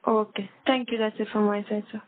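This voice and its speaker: A woman's voice: medium pitch, flat delivery, fairly quick, slight background noise. A woman, a financial analyst, asking polite, formal questions on an earnings call. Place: conference phone call. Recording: narrow tinny phone line.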